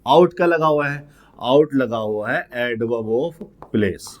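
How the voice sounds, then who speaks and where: Here a man with an animated, mid-range voice teaches English grammar for an exam. He moves through the material step by step and answers questions he asks himself. Whenever an example sentence comes up, he slows right down and reads it word by word.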